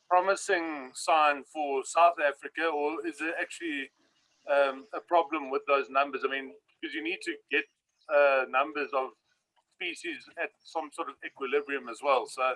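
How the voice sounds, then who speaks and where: Guy in the audience rambling through a few questions on a call, voice a bit on the high side. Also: pushed and bright, low-quality recording. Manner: rambling, stacks several questions. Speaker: audience member asking questions. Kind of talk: asking questions in a Q&A.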